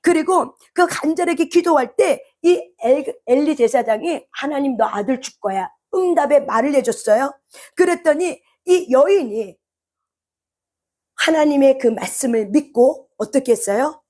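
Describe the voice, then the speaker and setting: A woman preacher delivers a fervent sermon in a fairly high voice. She keeps putting questions to her listeners. Her voice rises into loud, pleading cries at the height of her words. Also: lively intonation, normal speed. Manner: impassioned, rises to shouted cries when voicing prayer; asks the congregation rhetorical questions.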